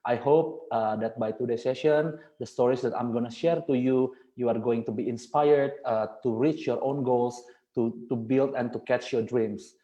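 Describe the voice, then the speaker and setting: Indonesian man, young adult, mellow voice, earnest and formal, video call mic. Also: mid-range voice, fairly even intonation, normal speed, muffled recording. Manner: earnest, formal, repeats phrases for emphasis. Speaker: guest speaker. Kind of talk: webinar presentation. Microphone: computer mic on video call.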